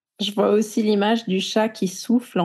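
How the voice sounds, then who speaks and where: A woman's dark, mellow tone in a monotone, flat intonation at a moderate pace over a quiet background. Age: 30s. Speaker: human design coach. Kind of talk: casual chat.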